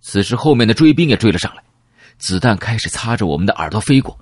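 A man's voice: lowish voice, sing-song, fast, slightly rough, no room sound. A man reading a novel aloud in dramatic first person, telling the story vividly and expressively into a close mic. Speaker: audiobook narrator.

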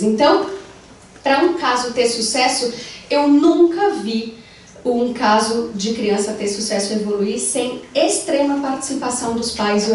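Speaking with a Brazilian Portuguese accent, this young adult psychologist delivers a lively conference lecture, moving across the stage and gesturing with a handheld mic in hand. Her voice sits on the high side. Captured from far off by a camera in a big wood-panelled hall, the sound is echoey with a little background noise.

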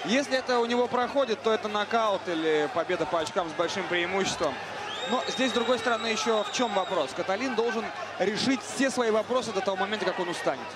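A man's voice: high-pitched, animated, fast. A man giving analytical live commentary on a fight. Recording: loud crowd and noise behind voice. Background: loud arena crowd.

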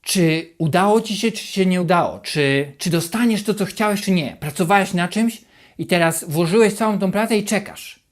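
Animated motivational speaker acting out thoughts. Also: mid-range voice, moderate pace. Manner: animated, acts out inner thoughts in a hushed, anxious voice; repeats and rephrases questions over and over. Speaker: self-help channel host. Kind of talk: motivational talk to the viewer.

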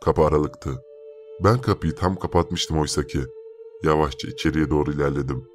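A man with an extremely deep voice narrates a first-person horror tale. His telling is steady and measured. Faint music sits quietly behind him.

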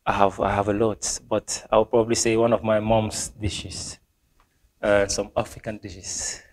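A young man from Gambia reads questions off a sheet and answers in a level, unvaried voice. He pauses often, filling gaps with ums and restarting his sentences. He sounds seated in a small indoor room. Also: fairly low pitch, little pitch movement. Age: young adult. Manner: hesitant, many ums and restarts. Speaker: football player. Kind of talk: reading fan questions and answering.

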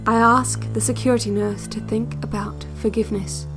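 Audio drama, female actor as secretive cassette guide to a captive: high voice, deliberate instructions over prominent music. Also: little pitch movement, close to an everyday voice, poor audio. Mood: calm, instructive. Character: secretive woman narrating relaxation cassette, guiding a captive's escape.

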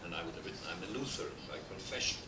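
An older Austrian man with a deep voice lectures academically into a desk microphone, his Austrian German accent clear, his intonation lively and his pace racing. He is discursive, hesitates often and slips in dry asides, all in a wood-paneled hall. The roomy, distant audio comes from a noisy VHS transfer.

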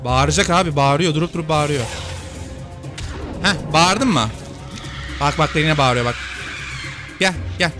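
Excitable man yelling over game music. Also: fairly high pitch, measured pace, pauses often. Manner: excitable, yells at the screen. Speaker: gaming youtuber. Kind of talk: casual let's-play commentary. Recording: game music loud behind voice.

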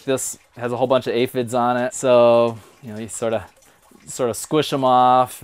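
Smooth-voiced man giving a hands-on tour. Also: medium pitch. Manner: plain, practical, with frequent fillers and restarts. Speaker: home aquaponics hobbyist. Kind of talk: casual explanatory tour. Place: greenhouse and home interior.

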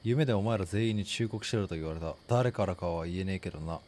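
A man's voice: low-pitched, fast, a little mellow, a little hiss or hum, voice pushed down, close to an everyday voice. A man voicing a gloomy, ominous doomsaying vagrant from a horror game.

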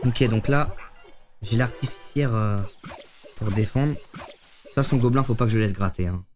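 A man giving live commentary on his own gameplay to chat, excitable and swearing often. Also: medium pitch, a little slow, long pauses, soft background music. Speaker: streamer.

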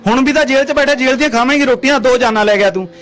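Man, high pitch, quick talking, field reporter, consoling tone, people chattering behind. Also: a bit bright. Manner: sympathetic, consoling, speaks directly to camera. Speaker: reporter interviewing a family. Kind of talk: on-the-spot field interview.

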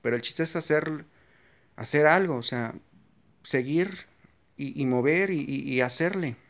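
A man with a Mexican accent giving a blunt, forceful, rambling monologue about his faith, with frequent restarts. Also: a little high, unhurried. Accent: Mexican Spanish. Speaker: Catholic video maker. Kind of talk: informal religious monologue. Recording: slightly dull, lo-fi recording.

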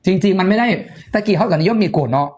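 Rapid, high-voiced Isan Thai host. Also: male voice, slight background noise. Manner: animated, crude teasing banter with frequent laughter. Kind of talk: casual chat and live selling.

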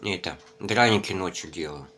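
A man with a very deep voice talks loosely to his audience while chewing, his words muffled by a full mouth. He rambles in a relaxed, homey way. Faint clicking sounds sit behind him. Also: brisk, slight background noise. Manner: relaxed, rambling, addresses viewers directly. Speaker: mukbang vlogger. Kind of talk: casual chat to camera.

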